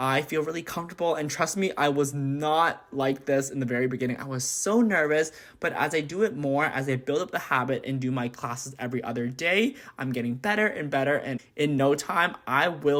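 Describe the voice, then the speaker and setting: A man speaks in a normal speaking voice at a fairly high pitch, with ordinary pitch variation, a moderate pace and hardly any pauses. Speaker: pharmacy student vlogger. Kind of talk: casual vlog talk to camera.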